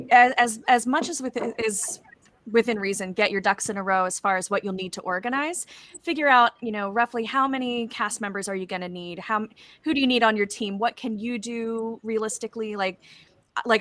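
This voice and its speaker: A woman's voice: medium pitch, pushed and bright, no echo. A woman speaking casually as a panelist, giving practical advice with emphasis. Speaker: panelist, voice actor and writer.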